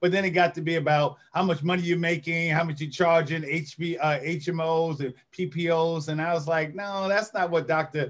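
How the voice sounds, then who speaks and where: A man's ordinary speaking voice with an American accent, fairly high in pitch, at a moderate pace with fairly even intonation. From New York. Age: 60s. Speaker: gemologist and storyteller, Marine veteran. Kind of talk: podcast interview. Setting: live online show.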